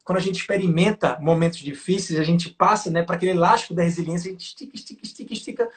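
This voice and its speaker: High-voiced man in casual chat. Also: racing. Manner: colloquial, uses slang fillers.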